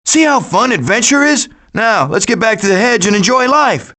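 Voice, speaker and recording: A man voicing a cocky, scheming, wisecracking raccoon leader in an animated video game, with a glib, theatrical delivery. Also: high voice, moderate pace.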